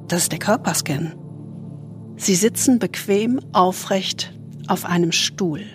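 A woman leads a guided meditation in a soft, soothing spa manner, leaving long pauses and trailing into breathiness. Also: lowish voice, over music. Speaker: host guiding a relaxation exercise.

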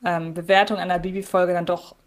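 A woman's voice: on the low side, little pitch movement, a little fast. Hesitant woman podcast co-host. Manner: thoughtful, hesitant with many fillers. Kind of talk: casual podcast chat.

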